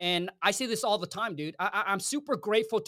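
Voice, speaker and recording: A man with a Vietnamese accent speaks very fast in a raised, projected, high voice, his tone bright, sharp and animated, with ordinary pitch variation and a dry, close sound with no echo. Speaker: real estate wholesaler. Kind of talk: interview.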